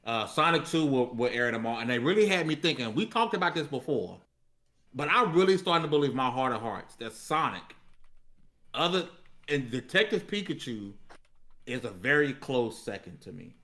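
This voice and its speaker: Bright, animated man hosting a stream. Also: medium pitch, moderate pace. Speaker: host of a gaming live stream. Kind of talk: casual slangy stream chat.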